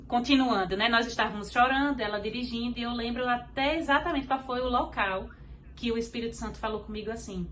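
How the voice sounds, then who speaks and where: A woman's voice: on the high side, fairly bright tone, slight background noise. A woman from Brazil with a Brazilian Portuguese accent, a podcast guest giving an earnest faith testimony and acting out what others said.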